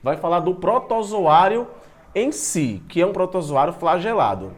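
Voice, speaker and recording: A man's voice: sits high, expressive, normal speed. A man giving an informal online lecture, reading from slides and commenting in a chatty way, sometimes tripping over technical words. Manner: stumbles and restarts over long technical words, self-deprecating; chatty, addresses students directly. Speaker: biology teacher presenting an online class.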